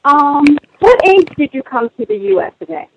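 A woman's voice: high voice, lively intonation, normal speed, gravelly, low-quality recording. A woman calling in to a radio show, asking direct, probing questions. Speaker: caller. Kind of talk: call-in question.

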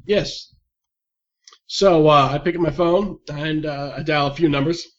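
A man playing in a tabletop game, joking and swearing in animated casual chat. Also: fairly high pitch, a little slow, lo-fi sound. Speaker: player.

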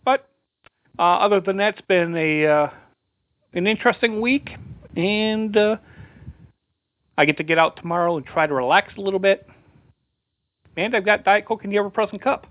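Male show host, hoarse, rambling, tinny phone-like sound. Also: high-pitched, normal speed, pauses often, no room sound. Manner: chatty, rambling with restarts. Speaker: podcast host. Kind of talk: casual talk show hosting.

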